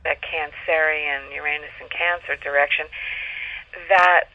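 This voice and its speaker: A man speaking as an interview guest, explaining in a halting way, thinking aloud with pauses. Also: fairly high pitch, fairly even intonation, dry recording. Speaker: guest astrologer. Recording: muffled, lo-fi call audio.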